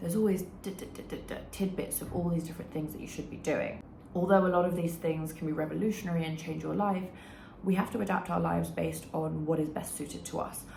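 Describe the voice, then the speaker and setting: Noticeable background noise behind a woman talking at a fairly quick pace. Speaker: self-improvement vlogger. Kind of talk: casual talk to camera.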